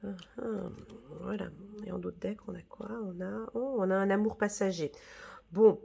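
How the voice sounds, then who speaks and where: A woman's voice: medium pitch, fairly even intonation, normal speed, gravelly, background noise. A woman giving a casual, reassuring tarot reading, full of fillers and "d'accord?" checks. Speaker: tarot reader.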